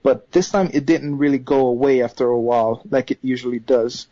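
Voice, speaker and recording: A man from Haiti, whose first language is not English, calling into a radio show and telling a personal story with many pauses and fillers. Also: medium pitch, warm tone, dry recording, muffled recording. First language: not English; third language. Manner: hesitant, many fillers and restarts. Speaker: caller.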